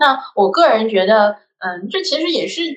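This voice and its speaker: A woman's medium-pitched voice with lively intonation over noticeable background noise. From Shanghai, China. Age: 30s. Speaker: journalist and editor. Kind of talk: casual discussion.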